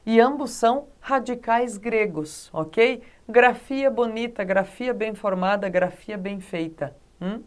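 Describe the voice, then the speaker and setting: A woman's voice: fairly high pitch, takes it slowly, few pauses. Chatty Brazilian teacher woman. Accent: Brazilian Portuguese. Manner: chatty, keeps checking in with the class. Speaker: Portuguese teacher. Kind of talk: video lesson.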